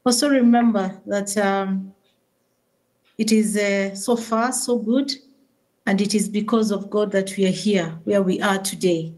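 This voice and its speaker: A woman's voice: mid-range voice, steady tone, a little slow, a little mellow, low-quality recording. Hesitant woman giving blessings. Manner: hesitant, many fillers, preacher-like blessings. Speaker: SACCO CEO addressing members remotely. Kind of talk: formal speech with prayers. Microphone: remote link into the meeting.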